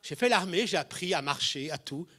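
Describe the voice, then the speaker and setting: Lively storytelling man preaching. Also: a little high, a little fast, breathy edge. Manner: animated, acts out quoted voices, jumps in loudness. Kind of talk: humorous sermon storytelling.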